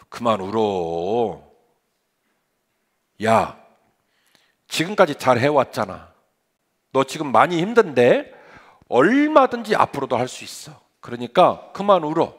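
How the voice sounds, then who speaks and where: A male pastor voicing a gentle angel who soothes a weeping person in a soft, low-key way, within a sermon. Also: normal speed, creaky, breathy edge, in a large hall. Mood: tender.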